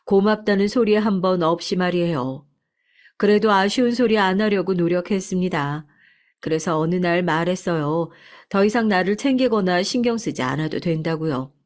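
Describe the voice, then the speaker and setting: A woman narrating a first-person life story in a calm, reflective, scripted manner. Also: lowish voice, moderate pace.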